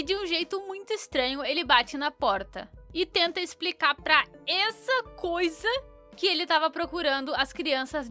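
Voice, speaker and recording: A woman's voice: high-pitched, sharp tone. A young woman with a Brazilian accent recapping a story in casual commentary, with informal, opinionated asides. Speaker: YouTube commentator.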